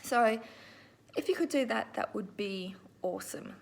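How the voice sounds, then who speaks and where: A woman's voice: fairly high pitch, measured pace, vocal fry. A middle-aged Australian woman hosting a crafting video, chatting casually to viewers in an informal, rambling, self-deprecating way.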